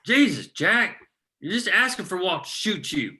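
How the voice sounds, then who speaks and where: Guy acting a blunt fed-up union miner, high real sharp voice, table read. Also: sing-song, moderate pace, full character voice. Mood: exasperated. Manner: blunt, clipped lines. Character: forceful, exasperated union-organizing coal miner.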